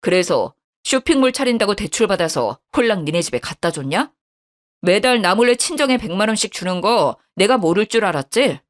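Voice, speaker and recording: A woman's voice: mid-range voice, animated, fairly quick, close to an everyday voice. A woman voicing an angry young husband who harshly accuses his wife, in a storytelling radio drama. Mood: accusing.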